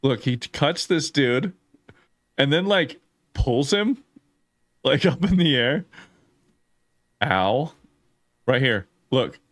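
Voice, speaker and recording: Animated bro-talking man streaming games. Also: medium pitch, slow, long pauses, no room sound, studio quality. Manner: bro-ish slang, excitable frat-bro delivery; animated reactions with frequent laughing and swearing. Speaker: live streamer and game animator. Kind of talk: casual live-stream commentary over game footage.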